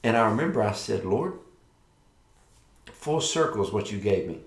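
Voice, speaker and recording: A middle-aged man with a fairly low voice presents a devotional prophetic talk in a noticeably echoey space. He talks as best he can around a sore mouth with fresh stitches from dental surgery, sharing and commenting as a ministry leader. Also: expressive, moderate pace. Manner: careful, slightly impeded speech from a sore, stitched mouth after dental surgery. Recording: echoey, roomy sound.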